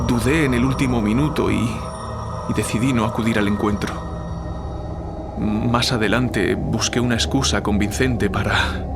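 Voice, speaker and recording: An actor playing a guilt-ridden male writer, confessing haltingly in an audio horror drama over music. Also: fairly low pitch. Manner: hesitant, halting confession with repeated words. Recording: music bed behind the voice.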